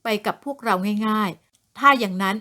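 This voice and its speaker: A woman voicing a male senior police officer who speaks in a firm, measured, official way. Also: medium pitch, sharp tone, lightly acted. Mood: stern. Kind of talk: audiobook character voice.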